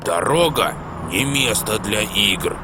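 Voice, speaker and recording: A man voicing a stern road patrol guardian who teaches in a measured, didactic way in a children's cartoon. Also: lowish voice, expressive. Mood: stern, instructive. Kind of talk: children's educational cartoon acting. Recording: loud music behind the voice.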